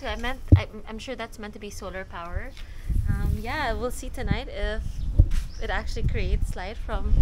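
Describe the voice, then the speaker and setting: A woman in her thirties chatting casually and upbeat to camera as a travel vlogger, outdoors on a camera held at arm's length. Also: a little high. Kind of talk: casual vlog chat to camera. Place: outdoors at a tropical resort. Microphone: action camera at arm's length. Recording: clear outdoor ambient noise behind voice.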